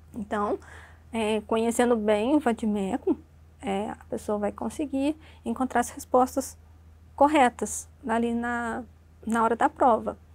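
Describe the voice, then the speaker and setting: A woman with a fairly high pitch talks fairly slowly, her pitch varying in an ordinary way and her speech broken by long, frequent pauses. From Brazil, Minas Gerais. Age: 30s. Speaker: newly qualified lawyer. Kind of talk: interview. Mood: warm, cheerful. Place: studio. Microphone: lapel.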